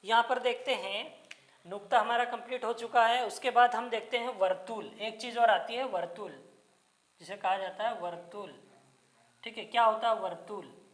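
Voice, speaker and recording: A woman's voice: on the high side, steady tone, roomy sound. A woman teacher giving a grammar lecture, asking questions and answering them herself and repeating the key terms. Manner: patient, deliberate explaining. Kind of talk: classroom Hindi grammar lecture.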